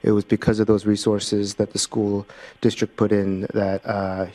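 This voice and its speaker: Low-voiced man chairing a meeting. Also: completely flat delivery, moderate pace, warm tone. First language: Korean. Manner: dry, self-deprecating humor. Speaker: commission president chairing a public meeting. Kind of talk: formal meeting chairing with jokes. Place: public meeting chamber.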